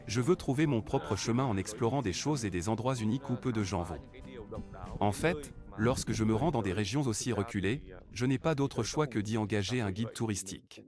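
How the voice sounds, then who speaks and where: A man's voice: lowish voice, lightly acted. A man reading a scripted voice-over translation of an interview for a news report. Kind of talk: scripted French voice-over of a travel blogger's interview. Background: background music.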